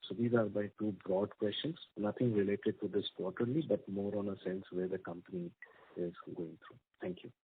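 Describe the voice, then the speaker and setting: A man, an investment analyst putting formal questions on an earnings call in a deliberate way. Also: fairly low pitch, steady tone, slight background noise. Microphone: telephone. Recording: muffled narrowband phone line.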